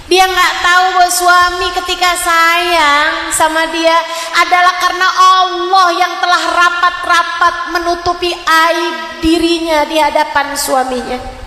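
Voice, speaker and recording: A woman preacher giving a religious talk to women, with rhythmic repetition and prayers acted out in a softer, lower voice. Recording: echoey hall with faint ambience.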